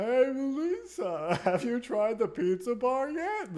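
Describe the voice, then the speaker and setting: Over light background noise, a man does a put-on character voice at an extremely high pitch, with very wide pitch swings and a fairly slow pace. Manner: silly, weird.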